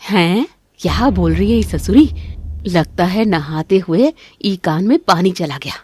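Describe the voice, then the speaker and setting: A woman voicing a greedy, scheming middle-aged mother-in-law in an animated family cartoon, bossy and grumbling. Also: on the low side, a little slow, slight background noise.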